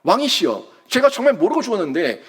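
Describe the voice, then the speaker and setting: A young prince pleads his case, indignant and insistent, as a preacher acts him out. His voice sits high and swings widely as he presses his point. The pleading never lets up. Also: big pitch swings, quick pace, a bit bright, exaggerated voice.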